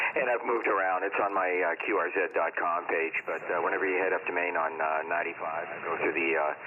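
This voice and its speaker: A man speaks at a very fast pace with hardly any pauses. Noticeable background noise is present. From New England. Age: 70s. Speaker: amateur radio operator. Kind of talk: ham radio contact. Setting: radio contact. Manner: halting, many fillers.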